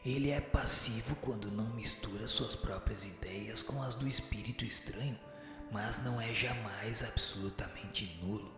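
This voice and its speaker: An actor playing a wise, solemn male spirit who teaches in a formal, measured radio drama manner. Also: on the low side, natural voice. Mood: firm, didactic. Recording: reverberant echoing hall, music underneath. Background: music.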